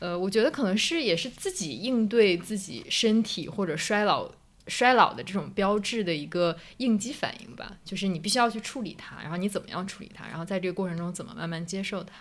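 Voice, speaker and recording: A woman with an unremarkable speaking voice talks at medium pitch and a fairly quick pace with hardly any pauses. Her intonation is lively, and her loudness swings widely. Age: 20s. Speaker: media professional. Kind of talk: casual chat.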